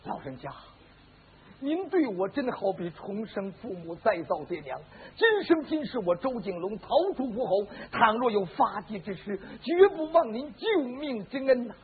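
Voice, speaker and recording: A man's voice: high voice, very animated, moderate pace. A male storyteller voicing a grateful young nobleman who speaks with earnest, solemn fervor, on a lo-fi recording. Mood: fervent. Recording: lo-fi phone-like band with faint hiss.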